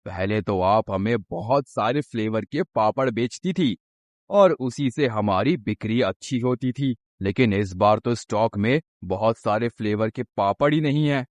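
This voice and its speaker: A man's voice: on the low side, unhurried, dry recording, close to an everyday voice. Man doing a worried shopkeeper who keeps complaining, dry sound. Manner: complaining, fretful. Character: anxious village shopkeeper.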